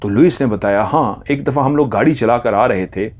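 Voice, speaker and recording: A man narrating a horror story in a slow, hushed, dramatic way. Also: medium pitch.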